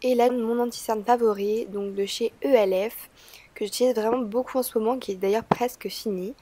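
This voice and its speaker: A woman's voice: fairly high pitch, steady tone, a little fast, dark tone. A woman with a cold, talking through a makeup tutorial in a chatty, hesitant way with frequent "euh" fillers. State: stuffy-nosed from a cold. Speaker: beauty vlogger.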